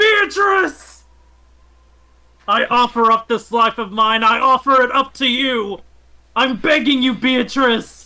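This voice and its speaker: A man's put-on character voice, extremely high in pitch, raised and projected, at a fairly slow pace with long, frequent pauses. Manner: evil, desperate, pleading.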